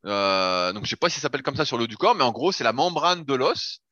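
A man's voice: medium pitch, very animated, fast, bright, forceful tone, dry recording. A man who works as a fitness coach, talking casually and explaining his method step by step, with the odd swear word. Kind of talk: casual podcast chat. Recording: dull lo-fi sound.

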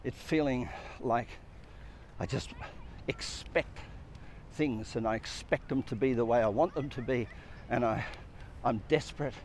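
Faint traffic murmurs as a man with a mid-range voice, a personal-growth speaker, delivers an earnest, reflective spiritual talk about purpose and the soul. He tends to repeat himself, lining up phrases and building long chains of questions.

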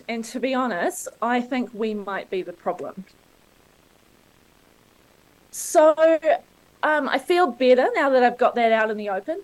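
Higher-pitched New Zealand woman giving a talk. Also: low-quality recording. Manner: self-deprecating, joking. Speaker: conference speaker. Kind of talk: conference talk.

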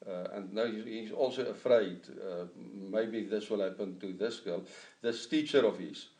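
A middle-aged man with an Afrikaans accent, an author talking in an interview about his novel. He speaks in a halting way, searching for English words. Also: lowish voice, a little mellow. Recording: echoey room, mic at a distance.

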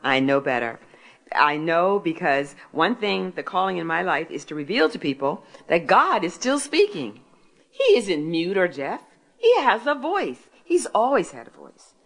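A woman in her sixties from Philadelphia speaks to a gathered audience about her faith. Her voice sits low and deep. She tells her story warmly paced, asking questions and answering them herself. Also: sing-song, a little slow. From Philadelphia, United States. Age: 60s. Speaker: author and speaker. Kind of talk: faith testimony talk to an audience.

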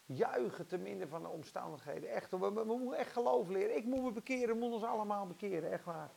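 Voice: mid-range voice, animated, quick pace, creaky, a little mellow, breathy edge. A preacher delivering an impassioned, dramatic sermon and acting out Bible stories.

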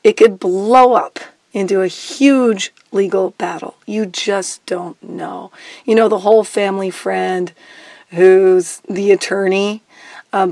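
A woman's voice: mid-range voice, darkish tone, no echo. A woman who has lost her voice, hosting a solo advice podcast as a divorce coach, chatty and direct and laughing between her points.

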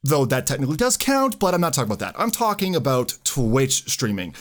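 Lively, chatty male podcast host. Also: medium pitch, brisk. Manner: lively, chatty, with filler words and restarts. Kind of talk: casual podcast interview.

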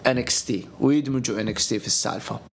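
Male podcast co-host, quick and sure of his views. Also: mid-range voice. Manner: talkative, opinionated, runs through lists. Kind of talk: casual podcast chat.

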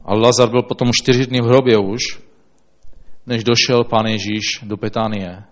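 A man reading scripture aloud and then preaching, in a slow, measured way with small restarts. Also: mid-range voice, flat delivery. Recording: dull lo-fi recording.

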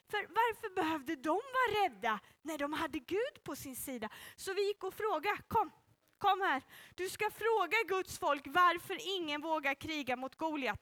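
High-pitched, bright woman telling a Bible story. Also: no echo. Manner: playful, animated, involves child volunteers. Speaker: children's church leader.

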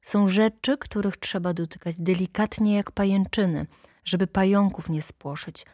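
A woman's voice: medium pitch, steady tone, moderate pace, darkish tone, no room sound, studio quality, lightly acted. Woman reading an earnest young party official. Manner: earnest, lecturing.

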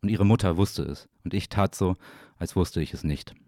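A man reciting a literary audio play monologue in a brooding, deliberate, dramatic way. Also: deep voice, mellow, no room sound, studio quality.

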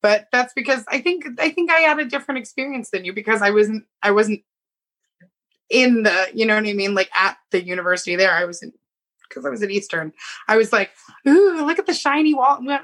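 A woman's voice: medium pitch, a little fast, a bit bright. A woman co-hosting a podcast, telling rambling stories in casual chat. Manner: rambling, filler-heavy storytelling. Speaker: podcast co-host.

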